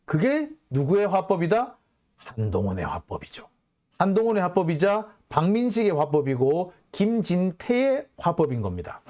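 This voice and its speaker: A middle-aged man hosting a political commentary, talking bluntly and with open scorn. His pitch sits a bit high for a man and swings widely, rising sharply for sarcastic asides. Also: very animated, moderate pace, dark tone. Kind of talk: opinionated political monologue.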